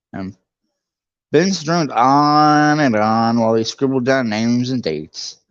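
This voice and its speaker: A man's voice: medium pitch, no room sound, dull audio. A man reading a book aloud for a live read-along, chatty, with jokey asides.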